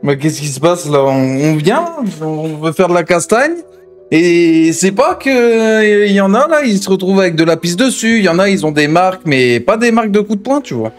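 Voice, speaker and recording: A man's voice: high voice, animated, moderate pace, faint music behind. A man improvising a hot-headed gang brawler in a gaming roleplay, confrontational and full of swearing. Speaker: GTA roleplay gamer and streamer.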